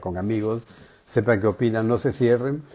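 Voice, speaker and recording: This man has a fairly low pitch and a dark, mellow tone, and he talks at a fairly quick pace. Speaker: sexologist and live stream host. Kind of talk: live stream talk. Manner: fast.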